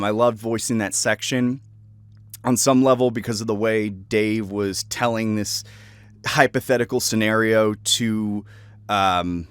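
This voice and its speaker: A man's voice: on the low side, clean tone, dry recording. A young adult man, a voice actor, talking casually and reflectively about his work. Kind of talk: casual reflective commentary on own roles.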